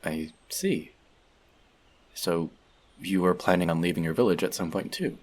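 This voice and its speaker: A man's voice: deep voice, measured pace. A man playing an earnest, bookish elf outcast in an audio roleplay, confiding in a friend in a hesitant, self-doubting way. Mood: surprised, delighted. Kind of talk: scripted audio roleplay addressed to the listener.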